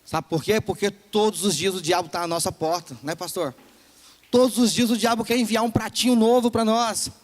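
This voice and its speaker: A young man with a Brazilian Portuguese accent, preaching a sermon to a youth service, telling stories with playful humor. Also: extremely high pitch. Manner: storytelling with playful humor, acts out voices. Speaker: pastor. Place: church hall.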